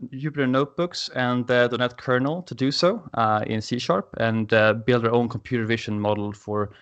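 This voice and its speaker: A man's voice: mid-range voice, fairly bright tone. A man from Sweden with a Swedish accent, giving an enthusiastic technical presentation over a video call with frequent "uh" fillers. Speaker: conference speaker.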